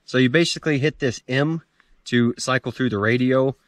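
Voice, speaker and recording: A man's voice: medium pitch, normal speed, no room sound, faint music behind. An American man in his forties giving a casual, plain-spoken gear review to camera outdoors. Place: outdoors in a dirt clearing among pines.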